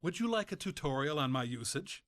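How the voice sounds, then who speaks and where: A man's voice: a little high, lively intonation, a little fast, fairly bright tone. A man voicing a chatty, cheeky robotic personal assistant in a video game, with perky, teasing patter. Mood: helpful, instructive. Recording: music under the voice.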